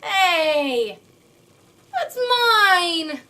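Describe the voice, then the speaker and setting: A woman doing a shrill, squeaky, jumpy wastelander. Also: sing-song, very slow, pushed and bright, heavily acted. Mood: squealing.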